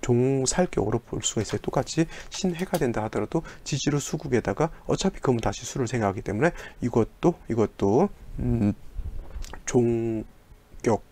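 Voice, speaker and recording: A man's voice: medium pitch, lively intonation, moderate pace, warm tone. A middle-aged man teaching saju fortune-telling in an explanatory lecture, often asking rhetorical questions. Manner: lecturing with rhetorical questions and acted-out student voices.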